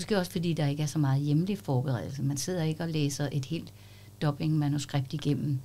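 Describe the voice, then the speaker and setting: A woman's very deep, low voice, dark and mellow in tone and somewhat breathy, with very even loudness, ordinary pitch variation and a fairly quick pace. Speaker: voice actor and stage actor. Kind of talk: interview.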